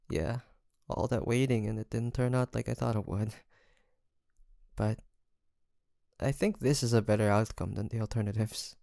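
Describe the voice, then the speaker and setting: A man acts out a wounded, tender-hearted hunter in an intimate roleplay drama. His mid-pitched voice is slow and creaky, with soft, hesitant phrasing. The sound is very dry and close, as if confiding in one listener. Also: fairly even intonation, no echo. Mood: wry. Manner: hesitant, halting, sighing, soft-spoken. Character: weary, guarded young demon hunter, tender and wounded.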